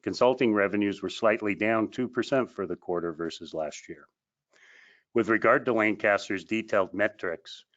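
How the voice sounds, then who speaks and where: On a conference call with dull, lo-fi audio, a company executive reads a scripted presentation of financial results. He speaks formally and in a measured manner, with a fairly low-pitched, slightly bright voice.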